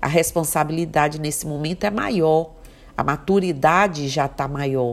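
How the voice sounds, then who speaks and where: A woman speaks at a very deep, low pitch. Her intonation is lively. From Bahia, Brazil (Mucugê). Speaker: Umbanda priest. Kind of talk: religious teaching talk. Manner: conversational, many filler tags.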